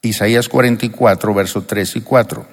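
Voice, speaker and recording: A man's voice: fairly low pitch, fairly even intonation, fairly quick. A male pastor preaching with emphasis, asking his congregation question after question. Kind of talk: sermon. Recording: long reverb of a church hall.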